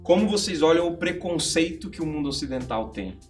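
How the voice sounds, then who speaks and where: Chatty host over music. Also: male voice, on the high side, animated. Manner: chatty, reacts with quick interjections. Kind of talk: casual interview chat. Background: background music.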